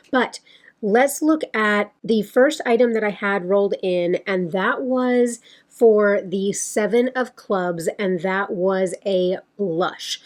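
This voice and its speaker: Chatty woman losing her voice. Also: medium pitch. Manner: chatty, rambling, with many fillers. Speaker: beauty vlogger. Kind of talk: casual chat.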